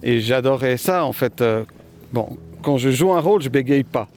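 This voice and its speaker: Walking outdoors during a conversational interview, a male author from Romania speaks with a light French-speaking Swiss accent carrying an unplaceable touch. He's thoughtful and hesitant, using many fillers, with a medium-pitched, animated, slightly mellow voice at a moderate pace. There's slight background noise.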